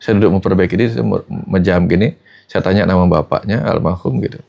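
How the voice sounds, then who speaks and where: A man's voice: low-pitched, fast talker, gravelly, darkish tone, muffled recording. A man in a casual spiritual talk, telling stories and often addressing his host by name. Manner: storytelling, repeats the host's name often; quotes people in the story. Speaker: spiritual teacher.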